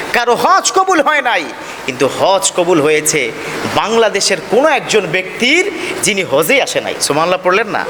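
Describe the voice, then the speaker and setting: A Bangladeshi man preaching an Islamic sermon as a storyteller, putting rhetorical questions to his listeners and prompting them. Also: high-pitched. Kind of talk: sermon to a congregation, with anecdotes and Arabic quotations. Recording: long hall reverb, noisy live PA recording.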